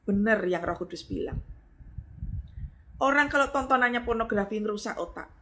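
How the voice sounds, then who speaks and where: A middle-aged woman pastor, preaching a lively sermon and acting out voices with sudden high exclamations. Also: moderate pace, a little hiss or hum.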